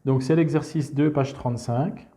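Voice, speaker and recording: A man calmly walking teachers through a classroom exercise, explaining step by step with frequent verbal fillers. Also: medium pitch, moderate pace. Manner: calm explanatory, frequent "donc" and "hein". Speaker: teacher presenting a reading method. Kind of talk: instructional screencast walkthrough.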